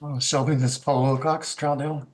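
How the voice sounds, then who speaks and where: A man's voice: medium pitch, flat delivery, brisk, a little hiss or hum. Rambling man giving public comment. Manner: rambling, many fillers. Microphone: video call.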